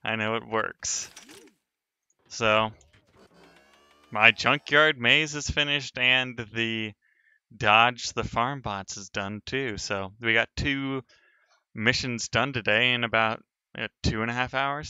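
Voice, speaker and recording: A man's voice: medium pitch, fairly even intonation, slow, pushed and bright, smooth, no room sound, dull audio. A man streaming a sandbox building game, thinking aloud in casual commentary as he narrates each step of his work.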